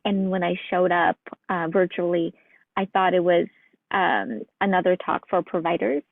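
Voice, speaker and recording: A woman's voice: lowish voice, normal speed, gravelly, dry recording. A woman from Ukraine, a psychologist guest, answering interview questions in an earnest, reflective way with many fillers, over a tinny phone-like line.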